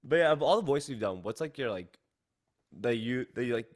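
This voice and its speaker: A man hosting a casual podcast, asking excitable, rambling questions of his guest. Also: mid-range voice, a little fast. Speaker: podcast host. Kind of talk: casual interview chat.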